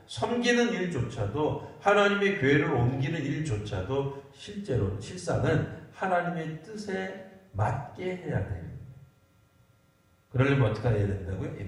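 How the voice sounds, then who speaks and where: A man's voice: medium pitch, darkish tone. Man preaching in an echoey church. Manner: conversational preaching full of rhetorical questions. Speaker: pastor. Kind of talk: sermon at a Friday prayer meeting. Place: church sanctuary. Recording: echoey church hall, mic at a distance.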